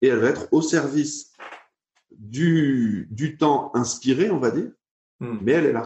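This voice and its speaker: Somewhat breathy and fairly high in pitch, a man speaks at a fairly slow pace with long, frequent pauses. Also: ordinary pitch variation. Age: 40s. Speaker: worship leader and musician. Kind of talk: interview. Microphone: possible audio problems and lag.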